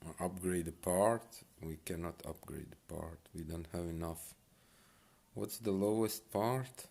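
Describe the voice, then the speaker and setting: Slow, gravelly man. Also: deep voice, darkish tone. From Bosnia and Herzegovina. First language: Bosnian. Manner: laid-back, musing aloud to himself. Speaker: mobile game streamer. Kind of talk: casual gameplay commentary.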